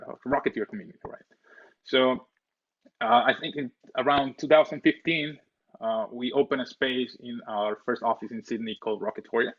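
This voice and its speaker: Man from El Salvador, webinar co-host, chatty, stumbles and repeats words, slightly muffled audio. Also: medium pitch. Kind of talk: casual webinar talk.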